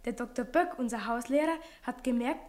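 A woman playing an earnest, warm-hearted schoolboy in a radio play. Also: on the high side, moderate pace, natural voice. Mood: earnest, happy.

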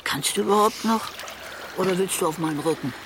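Radio drama: actress as nonchalant, chatty old female sea animal, conversational and deadpan, with clear water noise behind. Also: on the low side, a little fast, lightly acted. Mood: chummy, curious. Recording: loud splashing water behind the voice. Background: sea water splashing and trickling.

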